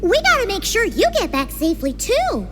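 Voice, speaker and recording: Small childlike game companion: extremely high, animated, caring, loud music behind. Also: female voice, moderate pace, full character voice. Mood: concerned, reassuring. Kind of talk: video game voice acting.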